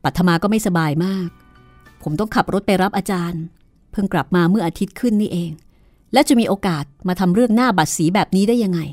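A woman's voice: medium pitch, fast talker, darkish tone, dry recording, faint music behind, close to an everyday voice. A woman voicing a flustered young man. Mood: defensive. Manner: flustered, exasperated pleading. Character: young man, harried, defensive, short-tempered.

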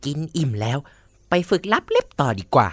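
A woman's voice: rumbling low, wildly swooping pitch, fairly quick, dry recording, heavily acted. A woman voicing a timid young male tiger in a children's audio drama, whimpering and panicky. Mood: cheerful.

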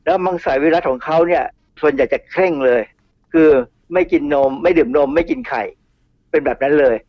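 A man's voice: a little high, no room sound. A middle-aged man, a toxicologist guest on a radio show, explaining in a chatty way with asides and repeats. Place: radio studio. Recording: dull radio studio sound.

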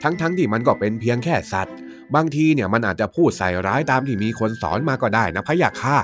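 A man voicing a scheming royal minister in a children's story, slow and fawning, raised in pitch. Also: expressive, natural voice. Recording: music bed behind.

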